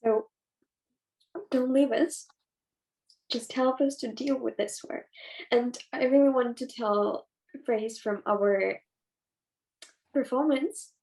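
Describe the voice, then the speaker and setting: Slow-speaking Ukrainian girl, high voice. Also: fairly even intonation, gravelly, darkish tone, low-quality recording. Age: child, twelve. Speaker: young participant in a play reading. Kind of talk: personal testimony to an audience. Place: video call.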